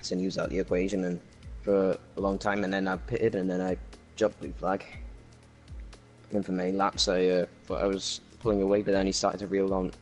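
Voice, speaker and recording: A Welsh man with a low, flat voice runs loosely through his race, with plenty of ums and restarts. He talks casually into a home microphone, and faint music plays underneath. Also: brisk. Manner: rambling race recap with many fillers. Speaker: racing league driver. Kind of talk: casual post-race chat. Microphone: new home microphone.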